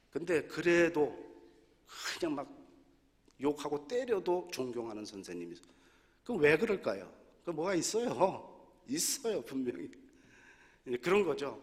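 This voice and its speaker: A man in his sixties preaching a sermon in a church, telling stories animatedly with laughs and acted-out voices. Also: fairly high pitch. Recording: long hall reverb.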